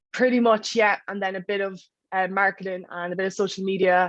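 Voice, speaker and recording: A woman with an Irish accent at a fairly quick pace, against a quiet background. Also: dry, close sound with no echo. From Ireland, Mullingar. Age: 20s. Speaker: marketing and advertising executive. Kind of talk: interview.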